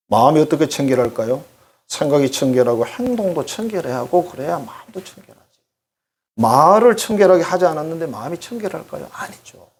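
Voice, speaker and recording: Husky, animated pastor preaching. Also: male voice, mid-range voice. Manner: animated, addresses congregation directly, acts out quoted voices. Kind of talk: conversational sermon.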